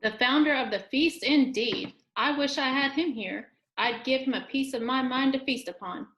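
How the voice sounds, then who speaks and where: A woman playing a proud, sharp-tongued wife and mother in a dramatic storybook reading. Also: sits high, normal speed, lo-fi sound, slight background noise. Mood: indignant. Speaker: amateur reader, library staff. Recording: echoey room.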